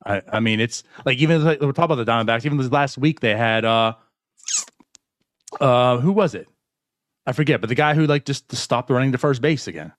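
A man's voice: mid-range voice, fairly quick, no echo. A man in his late thirties hosting a casual sports podcast, rambling through points with lots of "like" and restarts. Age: late 30s. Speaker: podcast host.

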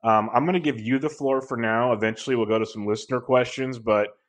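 A man in his thirties hosting a podcast, loud and carrying, talking earnestly and rambling with many restarts. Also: mid-range voice, steady tone, quick pace. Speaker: podcast host. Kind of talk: casual podcast chat.

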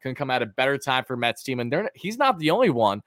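A man's voice: medium pitch, very animated, quick pace, fairly bright tone, dry recording. A man co-hosting a casual sports podcast, talking in a dry, wry, matter-of-fact way. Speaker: podcast co-host.

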